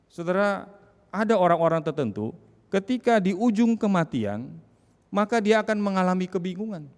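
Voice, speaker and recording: A man's voice: sits high, lively intonation, normal speed. Resonant-voiced male pastor preaching dramatically. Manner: dramatic preaching, swings from loud cries to hushed tones. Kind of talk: sermon. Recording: long hall reverb.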